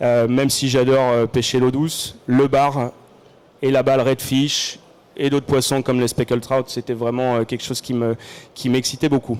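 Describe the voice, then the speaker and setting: This man has a medium pitch and a monotone, flat intonation. He speaks at a moderate pace. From Brittany, France (Morbihan, Vannes). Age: 30s. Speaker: schoolteacher and fishing guest. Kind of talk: interview. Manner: halting.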